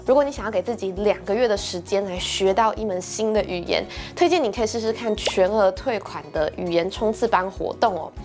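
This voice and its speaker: Woman from Taiwan, quick sponsor read over soft music, friendly tone. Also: medium pitch. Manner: friendly, upbeat explaining. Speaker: English-learning YouTuber.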